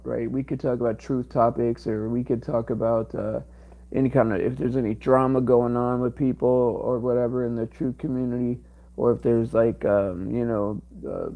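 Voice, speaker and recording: A man hosting a livestream in casual chat, his voice strained and cracking, rambling and halting with many fillers. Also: medium pitch, phone-quality sound. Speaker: livestream host.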